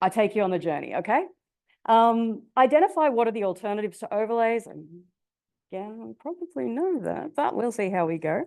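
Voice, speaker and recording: A woman in an Australian accent with a fairly high pitch, very wide pitch swings, big shifts in loudness, an animated tone and a fairly quick pace, set against a quiet background. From Australia (Sydney). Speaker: accessibility professional and conference speaker. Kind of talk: conference talk.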